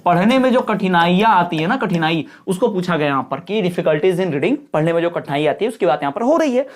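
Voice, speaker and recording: A young man teaching an exam-prep lesson, talking casually and teasing his students, and slowing down to dictate model answers. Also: sits high, lively intonation. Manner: chatty, scolding-friendly, addresses students as brother; slows down to dictate English answer lines.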